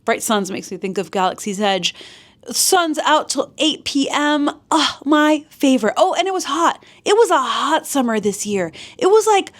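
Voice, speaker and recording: A chatty theme park vlogger, a woman from Miami, talks through her year with gushing enthusiasm. Her voice sits a touch high for a woman, and she rambles along in a relaxed, sit-down way. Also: moderate pace. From Miami, United States. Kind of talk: casual year-in-review narration. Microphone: sit-down home office recording.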